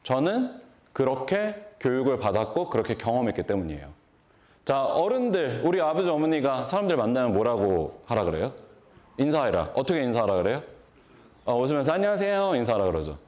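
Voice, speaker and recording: A man's voice: medium pitch, brisk. A man in his forties giving a keynote talk at a large conference, asking the audience questions and acting out greetings. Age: 40s. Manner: animated, asks the audience questions and acts out greetings. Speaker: beauty industry lecturer.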